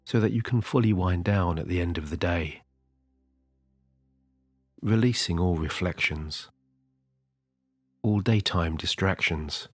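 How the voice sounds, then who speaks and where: Speaking slowly and soothingly in a hypnotic cadence, a man eases you toward sleep with his very low, husky voice. It's a close, dry recording, with quiet, soft music in the background.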